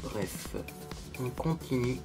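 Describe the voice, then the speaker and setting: A man's voice: medium pitch, animated, slow pace, music in the background. A man talking casually through a makeup tutorial to viewers, chatty and self-mocking, tagging his sentences with little asides. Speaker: beauty vlogger.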